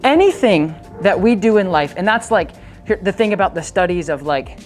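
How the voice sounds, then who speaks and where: A woman's voice: mid-range voice, expressive, normal speed, a little mellow, faint music behind. A woman working as a dog trainer, coaching owners in a casual, chatty way and breaking off to give the dog short, upbeat commands.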